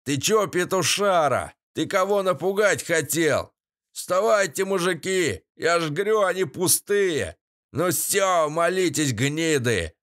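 A man's voice: a little high, lively intonation, slow pace, voice pushed up. Man doing a nasal jeering bandit leader. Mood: jeering taunts. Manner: mocking, swearing, shouting taunts.

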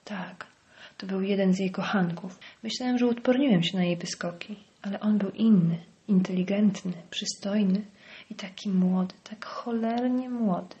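A woman's voice: mid-range voice, moderate pace, dark tone, lo-fi sound, close to an everyday voice. A woman voicing a bitter, venomous middle-aged male village doctor in an audiobook, sneering and dropping into hissed whispers. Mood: weary. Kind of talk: audiobook character voice.

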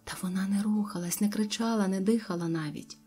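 A woman's voice: mid-range voice, a little fast, warm tone, soft background music. A woman narrating an audiobook tale expressively, dropping to whispers at tense moments. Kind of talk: storybook narration.

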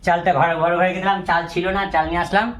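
A middle-aged man chatting casually in halting short phrases. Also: high-pitched, level tone, a bit bright, muffled recording. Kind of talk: casual chat. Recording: home recording with faint noise.

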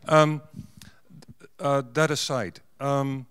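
A man's voice: mid-range voice, flat delivery, very slow, a bit bright, clean tone. A middle-aged man, not a native English speaker, speaking as a panelist at a conference with many fillers and restarts into a handheld mic. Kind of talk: panel discussion. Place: conference stage. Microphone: handheld microphone.

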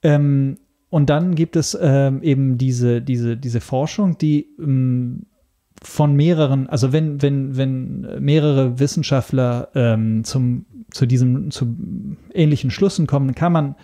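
A man from Italy with an Italian accent, explaining things as an interview guest in a measured, hesitant way, searching for words. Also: medium pitch, mellow. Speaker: interview guest, media information expert.

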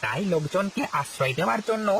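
A woman's voice: lowish voice, lively intonation, fast, fairly bright tone, slight background noise. A woman voicing a timid village servant man in a cartoon, meek and pleading. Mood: explaining. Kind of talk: dubbed cartoon acting.

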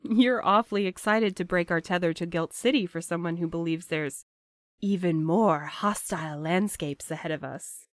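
A woman playing a gentle, hesitant, romantic young courier in an audio drama, thoughtful and a little awkward. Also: on the low side, moderate pace, no room sound, lightly acted. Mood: wary, wistful.

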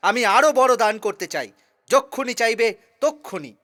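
A noble, generous storybook king declaims in a high, bright, forceful voice. His speech is formal and theatrical, as in a children's cartoon. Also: sing-song, a little fast, exaggerated voice. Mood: lofty, earnest. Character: noble, generous king of a fairy-tale kingdom. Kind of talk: Bengali children's cartoon acting.

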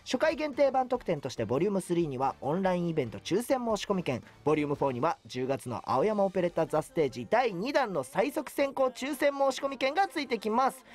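An actor playing a young male troupe character, reading a scripted promo with a bright, lifted delivery. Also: sits high, big pitch swings, fast, hardly any pauses, pitched above the performer's own voice. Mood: upbeat announcing.

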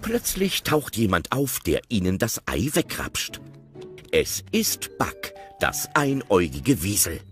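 A man narrating an audio play, describing the action in an animated storytelling way. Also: on the low side, takes it slowly, soft background music.

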